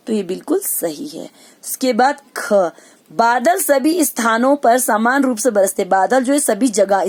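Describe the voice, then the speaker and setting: A woman teacher explaining a children's poem and its exercises, often repeating phrases and pausing to restate them simply. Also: a little high, darkish tone. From Ladakh, India. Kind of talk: online class lesson.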